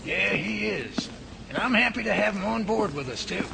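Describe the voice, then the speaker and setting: Man acting a high-pitched, creaky professor. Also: expressive, moderate pace, noisy background, heavily acted. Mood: hospitable. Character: composed, patient male professor leading a research team. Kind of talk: amateur radio drama acting.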